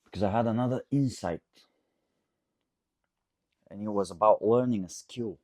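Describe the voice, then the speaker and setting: A man's voice: on the low side, moderate pace, dark tone, dry recording. A man from Bulgaria with a Bulgarian accent talks casually and unscripted as a coach, rambling a little and often checking with "okay?". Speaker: coach and host answering audience questions. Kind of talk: casual unscripted talk to camera.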